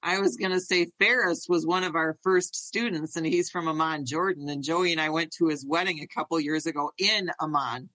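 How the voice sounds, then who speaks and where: A middle-aged woman chatting casually and steering the talk with friendly questions. Her voice is bright and clear. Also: low voice, a little fast, hardly any pauses. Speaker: host mother, interviewer. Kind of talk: casual conversation.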